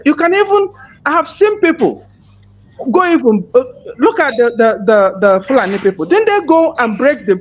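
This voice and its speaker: A woman's voice: on the high side, darkish tone. A woman host, confronting a caller in heated call-in commentary and firing repeated questions. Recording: dull lo-fi, faint noise.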